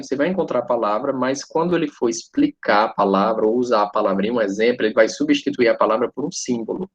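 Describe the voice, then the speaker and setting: A man's voice: medium pitch, breathy edge. A man teaching a lesson, explaining step by step and often checking in with his listeners. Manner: frequent tag questions, pointing at a screen. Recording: dull lo-fi sound.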